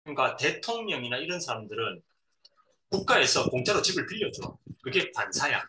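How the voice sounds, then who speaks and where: Very animated and medium in pitch, a middle-aged man reads a novel to his son, stopping often to explain words in simple terms for the child and acting out quoted lines. He sounds a bit distant from the mic, with roomy echo and faint background noise.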